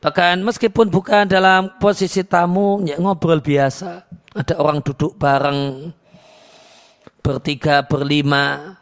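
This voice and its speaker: Calm man teaching an Islamic lecture. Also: on the high side, unhurried. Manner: calm, repetitive, explaining with many restarts; recites Arabic verses then translates. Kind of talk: religious lecture on hadith.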